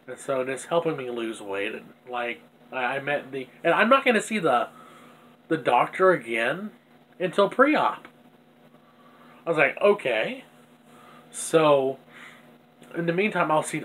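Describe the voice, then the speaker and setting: A man's voice: medium pitch, a bit bright, a little hiss or hum, low-quality recording. Stuffy-nosed man in a rambling video diary. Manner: candid, rambling, self-critical. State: stuffy nose from a cold. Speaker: vlogger.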